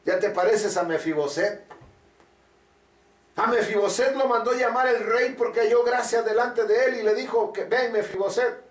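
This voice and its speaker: A man's voice: very high-pitched, moderate pace. A man preaching a sermon with fervent, repetitive emphasis, calling on the congregation to repeat after him. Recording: echoey room, distant mic, faint music.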